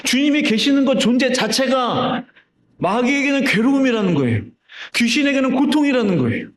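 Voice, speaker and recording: A man's voice: extremely high pitch, animated, brisk. A man preaching a sermon as pastor, telling stories and asking the congregation rhetorical questions. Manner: conversational storytelling with rhetorical questions. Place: church sanctuary. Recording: roomy church reverb.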